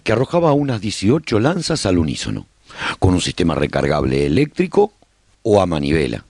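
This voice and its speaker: Deep, gravelly male storyteller. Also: a little mellow, no room sound, full character voice. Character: male survivor chronicling life in a post-apocalyptic colony. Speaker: narrator of a radio serial. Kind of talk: scripted first-person narration, radio drama.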